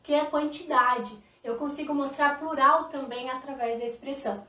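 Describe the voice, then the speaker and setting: A woman from Brazil teaching a live online sign language class, lively and demonstrative. Her voice is high. It is picked up a little off-mic in an echoey room. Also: moderate pace, distant mic. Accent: Brazilian Portuguese. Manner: lively, demonstrative, talks to viewers directly. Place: indoor room, live stream.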